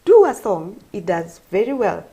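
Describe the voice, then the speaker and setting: A woman's voice: mid-range voice, big pitch swings, moderate pace, mellow, highs cut off. A woman from Kenya, a gospel singer and vocal coach, giving earnest, explanatory interview answers and repeating phrases for emphasis.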